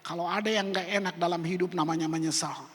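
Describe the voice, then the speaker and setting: A man's voice: high voice, steady tone, quick pace, fairly bright tone. A male pastor preaching a sermon, telling personal stories with acted-out quotes in casual slang. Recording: echoey hall with music behind.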